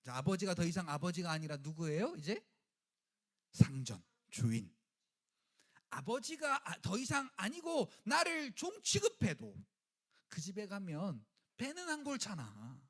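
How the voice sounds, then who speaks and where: A male pastor delivers a sermon in a high, lively voice that leaps up and down. He talks in an everyday way, acts out the quoted lines with swings in loudness, and jokes with his congregation. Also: measured pace.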